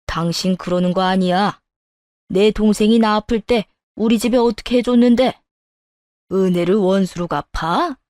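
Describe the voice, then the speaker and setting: A woman's voice: mid-range voice, normal speed, darkish tone, no echo, studio quality, close to an everyday voice. A woman voicing a stern, furious older father-in-law. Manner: scolding, indignant. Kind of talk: scripted story narration.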